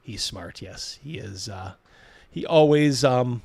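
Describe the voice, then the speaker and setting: A man's voice: mid-range voice, expressive, slow, creaky, darkish tone, dry recording. A man hosting a casual live commentary, reading out viewer comments in a blunt, mocking, sweary way. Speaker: host of a livestream reacting to a video.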